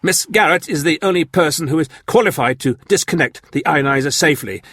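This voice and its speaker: A man's voice: on the high side, brisk, a bit bright, dry recording, studio quality, voice pushed up. A man voicing a nervous but dignified male facility leader, earnest and insistent.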